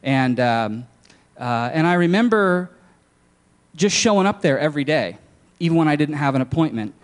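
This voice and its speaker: A man's voice: a little high, expressive, normal speed. Candid young man telling his story. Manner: casual, candid storytelling with many fillers and restarts. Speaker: speaker sharing a testimony. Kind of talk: personal testimony talk.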